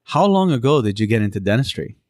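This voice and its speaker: A man's voice: medium pitch, very animated, darkish tone, no room sound. Man from Cuba hosting a podcast, dry sound. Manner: halting, many fillers and restarts. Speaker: podcast host. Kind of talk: casual interview podcast.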